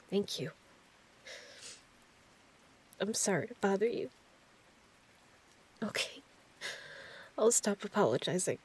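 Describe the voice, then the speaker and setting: A woman playing a distraught, apologetic woman seeking comfort at night, crying and speaking softly and haltingly in an intimate audio roleplay. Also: medium pitch, breathy edge. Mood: quiet, weary. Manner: halting, apologetic, soft-spoken. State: crying, upset.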